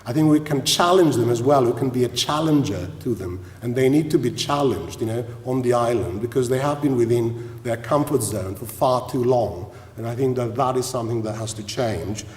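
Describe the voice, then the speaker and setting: A man's voice: mid-range voice, normal speed, few pauses, a little mellow. A man chairing a business forum, introducing speakers in a conversational tone, with frequent "you know" fillers. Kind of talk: formal address at a forum. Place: large hall at an event. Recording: echoey hall, speaker far from mic.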